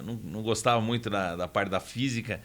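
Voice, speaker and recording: A man in his fifties from southern Brazil talks as a guest on a studio radio program. His voice sits low, and he pauses and restarts his sentences often as he searches for words. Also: fairly bright tone. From Paraná, Brazil. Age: 50s. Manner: hesitant, many fillers and restarts. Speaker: guest, honorary consul. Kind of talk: radio interview.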